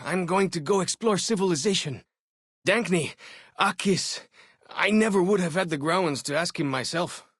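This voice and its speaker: An actor playing a young tribal scout in a video game, friendly, eager and earnest, speaking in simple, informal phrasing. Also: male voice, fairly high pitch, fairly bright tone, slightly rough, dry recording, clean studio sound, heavily acted. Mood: excited, eager. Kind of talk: video game character dialogue.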